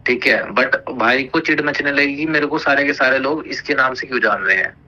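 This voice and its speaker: A man's voice: mid-range voice, brisk, bright, forceful tone. A man with a North Indian accent chatting casually and recounting gossip on a recorded phone call.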